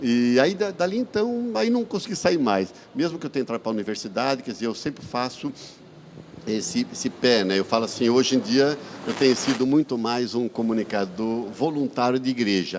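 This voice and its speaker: Noticeable background noise surrounds a man at a medium pitch. He talks at a moderate pace with lively intonation. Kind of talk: interview. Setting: on location at an event. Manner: halting, with repetitions.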